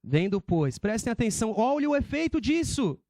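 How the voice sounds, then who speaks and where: A man's voice: extremely high pitch, sing-song, normal speed, warm tone, no room sound. A male preacher who gives an emphatic, rhetorical sermon and addresses his listeners as brethren.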